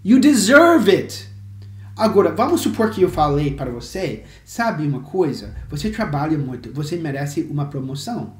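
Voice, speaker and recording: A man who is a native English speaker teaching English, explaining phrases slowly and repeating examples for drill. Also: a little high, very animated, a little mellow. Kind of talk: language lesson to camera. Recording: echoey room.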